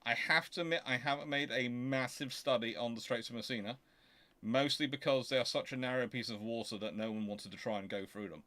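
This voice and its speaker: A man with a bright, forward voice of middling pitch answers listener questions in an informal explanatory style. He often halts and rewords himself mid-sentence. The sound is dry, with very little room in it. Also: dry recording. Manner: halting, self-correcting, explanatory. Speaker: host of a naval history Q&A show.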